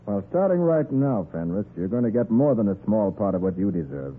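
A man's voice: fairly low pitch, big pitch swings, fairly quick, phone-quality sound. A man playing a cool, confident private detective, assured and wry, in a 1940s radio crime drama. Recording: band-limited, noisy 1940s radio recording.

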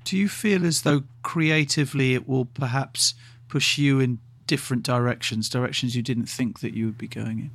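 A man's voice: mid-range voice, fairly even intonation, moderate pace, fairly bright tone. A man speaking as a podcast host, introducing and interviewing a guest from a room at home.

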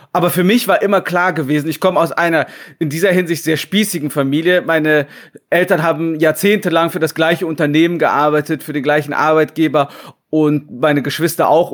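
A man in his thirties, a guest talking casually at home over a video call, hesitant with many restarts. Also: fairly high pitch. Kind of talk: casual remote interview.

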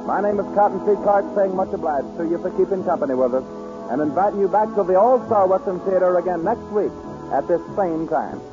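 A man's voice: high-pitched, fast, pauses often. A man hosting an old-time Western radio show as its announcer, reading from a script. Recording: tinny old radio, loud music behind.

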